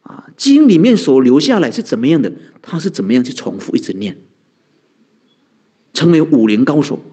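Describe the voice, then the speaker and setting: Man, Buddhist monk, dharma talk, rhetorical questions, chuckles, warm mellow tone. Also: mid-range voice, very animated, moderate pace, husky. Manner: conversational, asks rhetorical questions and answers them; chuckles often, heavy use of sentence-end particles.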